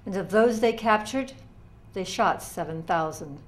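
A woman's voice: medium pitch, expressive, unhurried, close to an everyday voice. An older woman in a dramatic reading, playing a somber ghetto survivor.

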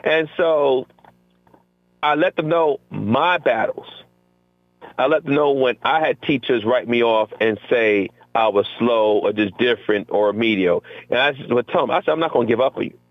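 Middle-aged man, teacher guest, lively talk acting out quotes, tinny phone-line sound, dry. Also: medium pitch, moderate pace, dry recording. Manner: energetic, acts out quotes from classroom exchanges. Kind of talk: conversational interview.

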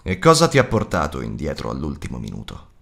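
A man's voice: rumbling low, huge pitch swings, quick pace, gravelly, a bit bright, voice pushed down, heavily acted. A man voicing a proud, impatient male dwarf leader in an audiobook, asking blunt, pressing questions.

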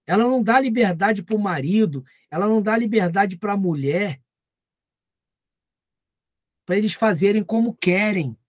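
A man's voice: high-pitched, expressive, measured pace, long pauses, no echo, clean studio sound. A man preaching at a live Bible study, talking conversationally and acting out little dialogues. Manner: conversational, acts out quoted dialogue.

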